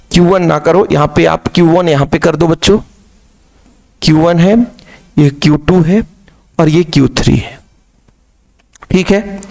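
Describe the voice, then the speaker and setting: A man teaching physics to his pupils, repeating key phrases and asking questions that he then answers himself. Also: sits high. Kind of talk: classroom lecture.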